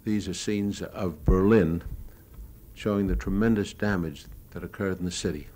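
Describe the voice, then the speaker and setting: A man's voice: sits low, steady tone, moderate pace, mellow. An American man narrating his own war footage off the cuff as a cameraman, matter-of-fact and hesitant as he reminisces. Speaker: newsreel cameraman. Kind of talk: unscripted narration of his own home movies. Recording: noisy old live talk recording.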